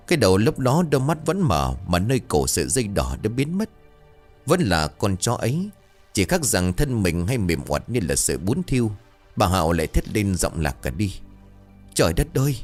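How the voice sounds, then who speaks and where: A man narrating a story in a suspenseful, expressive storytelling style. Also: lowish voice.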